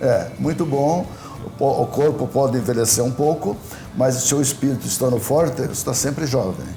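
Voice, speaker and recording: Over music in the background and audible room echo, a man speaks at medium pitch and a moderate pace. His pitch varies in an ordinary way. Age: 70s. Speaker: businessman. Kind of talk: interview.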